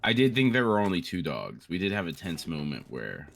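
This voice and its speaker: Low male voice, animated range, casual gaming co-host, rambling and profane, background noise with clicks. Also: a little fast, vocal fry. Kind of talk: casual gameplay chat.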